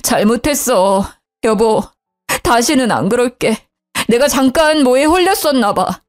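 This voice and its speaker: A woman's voice: a little high, expressive, unhurried, soft background music, pitched above the performer's own voice. A woman voicing a guilty young husband who keeps begging his wife for forgiveness. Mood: pleading. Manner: begging, apologetic.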